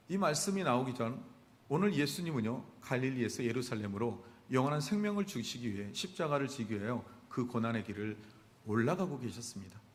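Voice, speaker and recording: A man's voice: mid-range voice, in a large hall. A male pastor preaching a midweek sermon. He asks the congregation rhetorical questions and answers them himself. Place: church sanctuary.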